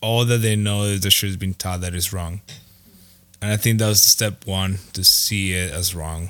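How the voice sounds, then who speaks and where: A man with a plain, everyday voice talks at a moderate pace, his fairly low pitch following fairly even intonation. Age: 30s. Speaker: project manager and engineer. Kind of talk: casual chat.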